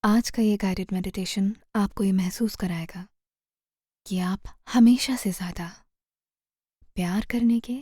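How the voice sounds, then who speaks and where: Slow, breathy woman guiding meditation. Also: mid-range voice, fairly even intonation, no room sound, clean studio sound. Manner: soothing, gentle, often trailing into breathy near-whisper. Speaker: guided meditation narrator. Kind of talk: slow guided meditation narration.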